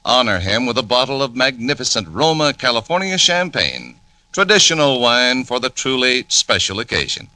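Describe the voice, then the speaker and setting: A man's voice: medium pitch, sing-song, normal speed, bright, forceful tone, no echo. A man announcing in a polished, persuasive 1940s radio commercial style.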